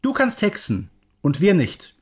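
A man's voice: high-pitched, wildly swooping pitch, measured pace, slightly rough, voice pushed up, full character voice. A man voicing a sheepish, envious schoolgirl with a hesitant manner in a children's story.

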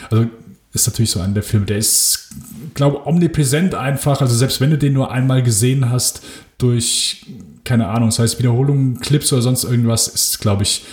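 A man's voice: mid-range voice, a little mellow. A man in his thirties co-hosting a casual film podcast, rambling with many fillers and restarts. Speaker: podcast co-host. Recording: roomy echo.

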